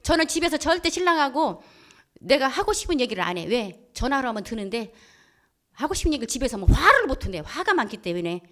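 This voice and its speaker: A woman pastor giving a church testimony, telling her story in a lively, colloquial way. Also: sits high, fast. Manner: lively colloquial storytelling, acting out quoted voices. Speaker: pastor and head of a Christian broadcaster.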